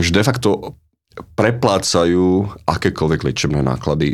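Here a man talks with a very deep, low pitch. His pace is moderate and his intonation lively. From Slovakia. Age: 40s. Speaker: ethical hacker and crypto-anarchist. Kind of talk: interview. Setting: studio.

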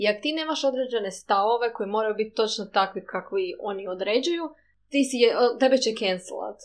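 Against a quiet background, a woman with a normal speaking voice talks at a fairly quick pace, her fairly high pitch showing ordinary variation. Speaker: podcast co-host. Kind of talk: casual chat.

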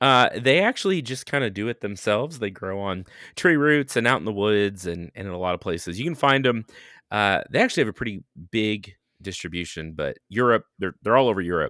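A man with an ordinary speaking voice, fairly low in pitch and lively in intonation, is heard in a very clean recording with a silent background and a dry, close sound with no echo. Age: 30s. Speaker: horticulture lecturer. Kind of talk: casual chat.

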